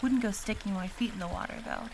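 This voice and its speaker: A woman playing a cautious, bookish character in an audio drama, speaking in a measured, dry, precise way. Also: mid-range voice, noisy background, close to an everyday voice. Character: cautious, bookish, matter-of-fact young woman.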